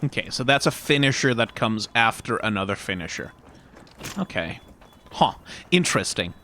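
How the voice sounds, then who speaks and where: A man's voice: mid-range voice, lively intonation, moderate pace, pushed and bright, a little hiss or hum. A man doing casual gameplay commentary, thinking aloud in a musing, wryly exasperated way. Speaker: video game streamer.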